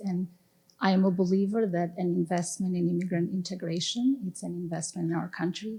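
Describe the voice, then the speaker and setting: A woman's somewhat breathy voice with a dark, mellow tone and fairly even intonation. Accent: non-native. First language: not English. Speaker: government official. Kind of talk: panel discussion.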